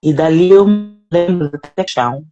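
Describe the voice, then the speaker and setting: A woman's voice: sits low, measured pace, dark tone, dull audio, faint music behind. A woman sharing a personal faith testimony in an earnest, emotional way, speaking directly to the apostle and repeating phrases for emphasis. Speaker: guest giving a testimony.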